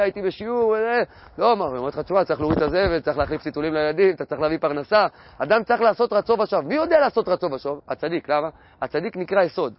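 A man giving a Torah lesson, asking questions and answering them himself, and repeating key phrases in a steady teaching cadence. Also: high-pitched, lo-fi sound. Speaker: religious teacher.

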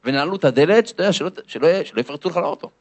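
Man, lecturer, comic storyteller, swooping animated voice, slightly high. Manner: lively comic storyteller, acts out voices and sounds.

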